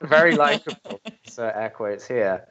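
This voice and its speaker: A man, a voice actor, giving casual, thoughtful commentary in a halting way. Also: mid-range voice, expressive, a bit bright, dull audio.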